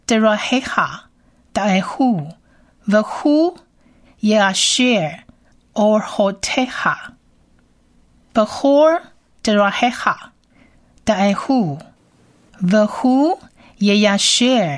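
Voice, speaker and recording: A woman leads a language lesson for listeners. She talks in a calm, patient way at a middle pitch. She breaks each word into its letters and sounds and repeats them slowly. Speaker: Bible Hebrew teacher. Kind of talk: radio-style language lesson.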